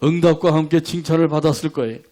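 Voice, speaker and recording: Korean pastor preaching with rhetorical questions. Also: male voice, fairly high pitch, steady tone, fast talker, dark tone. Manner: leads congregation in call-and-response verse reading; asks rhetorical questions, acts out quoted prayers. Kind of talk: sermon.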